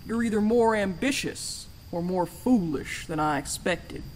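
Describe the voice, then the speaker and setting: A woman's voice: medium pitch, measured pace, a little hiss or hum, lightly acted, low-quality recording. A woman playing a mysterious, teasing stranger in an audio drama, folksy in speech and out for bargains. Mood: appraising.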